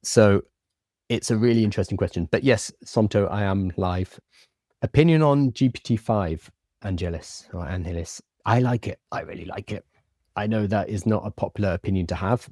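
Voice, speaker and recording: A man hosting a casual live stream, chatting with a lisp and soft R's that sound like w's. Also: on the low side, a little fast, dry recording, studio quality. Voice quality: lisp, can't say his R's, says w for r. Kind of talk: casual live-stream chat, answering viewer comments.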